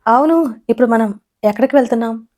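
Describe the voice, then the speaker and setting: A woman voicing a young wife who is touchy and quick to pout, with a sulky, teasing way of talking. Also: a little high, darkish tone, lightly acted. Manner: sulky, teasing back and forth.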